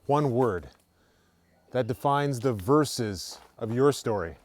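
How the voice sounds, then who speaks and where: A man's voice: medium pitch, animated, takes it slowly, a little mellow, slight background noise. Earnest man giving a short devotional. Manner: earnest, repeats words when restarting. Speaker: pastor.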